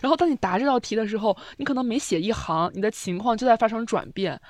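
Fast-talking earnest woman podcaster. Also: on the high side, lively intonation, dry recording. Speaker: podcast co-host. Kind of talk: casual chat.

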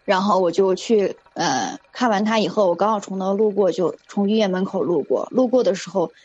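A woman's voice: medium pitch, fairly quick, a little mellow, breathy edge, highs cut off. A woman, a community health worker, earnestly telling a vivid, repetitive personal story. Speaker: guest telling a ghost story. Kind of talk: casual spoken storytelling.

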